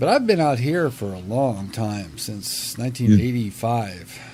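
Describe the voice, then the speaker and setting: With noticeable background noise behind him, a man with an American accent talks at a moderate pace in a medium pitch with lively intonation. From Texas. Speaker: podcast co-host. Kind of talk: casual chat.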